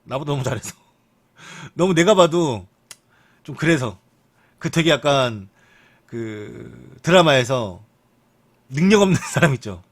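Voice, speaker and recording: A man's voice: a little slow, long pauses. A young man streaming live, reading football news in a chatty, joking way and muttering asides. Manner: chatty, lively pitch, jokes and mutters asides. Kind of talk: casual live-stream commentary.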